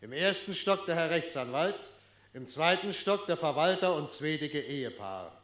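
A male observer in a radio play, describing in matter-of-fact lists. His voice is fairly high and comes with a strong room echo. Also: expressive, normal speed, fairly bright tone. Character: male observer listing tenement residents floor by floor. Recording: echoey, roomy sound.

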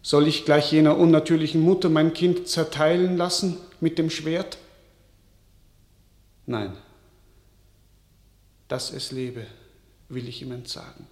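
Slow, solemn, despondent king. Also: a little high, a little mellow, reverberant. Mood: despairing. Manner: solemn, declamatory, measured. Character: despondent, world-weary king giving up his crown. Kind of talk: classical verse radio drama acting.

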